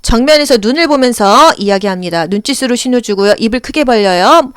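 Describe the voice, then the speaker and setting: A woman's voice: a little high, expressive, a little fast, a bit bright, smooth, no echo, studio quality. A woman giving an exam-prep lecture for care workers, acting out short dialogues and sound effects to make her points. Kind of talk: audio lecture with acted examples.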